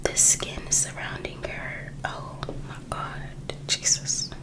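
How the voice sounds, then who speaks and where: A woman reading a book aloud for ASMR in a breathy, unvoiced whisper, pausing between short phrases. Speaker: ASMR creator.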